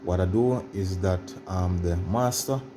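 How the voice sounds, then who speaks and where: A man presenting an informal how-to demonstration, explaining in a halting, repetitive way and addressing viewers directly. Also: sits low, background noise. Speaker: tutorial presenter.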